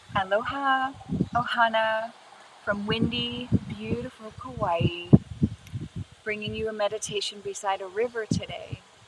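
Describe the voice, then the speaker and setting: Over noticeable background noise, a woman speaks in a dry sound with no echo. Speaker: meditation guide. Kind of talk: guided meditation. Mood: calm, soothing, warm. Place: waterside. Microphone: phone near.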